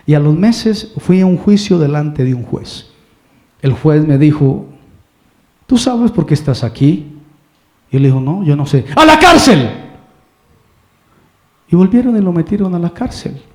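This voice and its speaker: A male preacher with a Colombian Spanish accent, telling a story slowly and deliberately, acting out the dialogue. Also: medium pitch, vocal fry, warm tone. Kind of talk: sermon storytelling.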